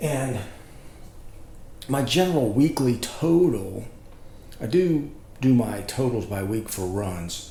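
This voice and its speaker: Speaking at a very slow pace with long, frequent pauses, a man uses lively intonation at a medium pitch over noticeable background noise. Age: 60s. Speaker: fitness vlogger. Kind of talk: casual talk to camera.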